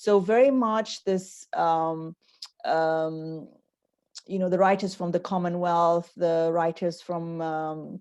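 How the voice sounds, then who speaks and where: With an Arabic accent, a woman speaks very slowly at a fairly low pitch and fairly even intonation against a quiet background. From Sudan. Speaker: novelist. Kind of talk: interview. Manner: halting, many repetitions.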